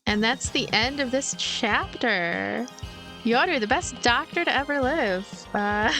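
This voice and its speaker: A woman reading a visual novel aloud and adding her own gentle commentary. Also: fairly high pitch, animated, slow, low-quality recording. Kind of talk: voiced game narration and commentary. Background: game music.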